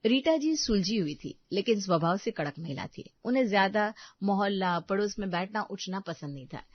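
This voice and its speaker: A woman narrating a domestic audio story in a steady, plain storytelling manner. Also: mid-range voice, normal speed, dry recording. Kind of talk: scripted narration. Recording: dull, dry sound.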